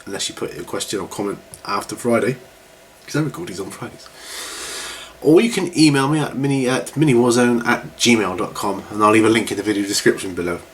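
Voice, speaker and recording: Congested man over clear background noise. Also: on the low side, a little fast. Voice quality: congested, slightly stuffy. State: recovering from a cold, with a cough. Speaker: host of a hobby question-and-answer video series. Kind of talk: casual chat to camera. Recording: clearly noisy home recording.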